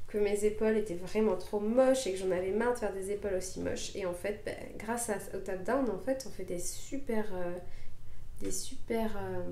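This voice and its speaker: A woman's voice: mid-range voice, a little mellow, a little hiss or hum. A woman chatting hesitantly with many fillers and restarts in a casual knitting vlog, just over a cold. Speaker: knitting podcaster. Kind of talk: casual show-and-tell vlog. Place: at home, knitting on camera. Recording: echoey room.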